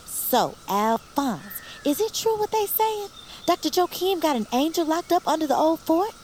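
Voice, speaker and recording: A woman's voice: very high voice, sing-song, normal speed, darkish tone, a little hiss or hum. An actress playing a chatty young enslaved girl who gossips eagerly and cheekily. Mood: gossipy. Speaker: Nancy. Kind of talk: audio drama acting.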